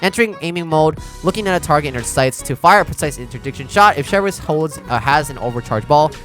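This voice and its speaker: Male streamer, casual game commentary, very lively pitch swings, chatty with his audience. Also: fast, faint music behind. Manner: animated, informal, talking to chat. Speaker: streamer reacting to a game character preview. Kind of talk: casual live reaction commentary.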